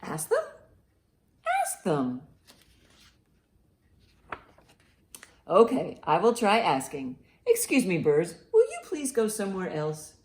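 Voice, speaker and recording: A woman voicing a fretful, excitable picture-book elephant, exclaiming emphatically. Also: mid-range voice, measured pace, slight background noise. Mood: hesitant, polite. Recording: roomy, echoing sound.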